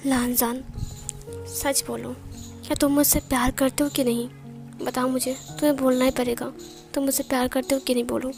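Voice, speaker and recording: A woman voicing a playful young man in love, teasing and coaxing in her own high voice. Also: little pitch movement, normal speed, vocal fry, pauses often, darkish tone, faint music behind.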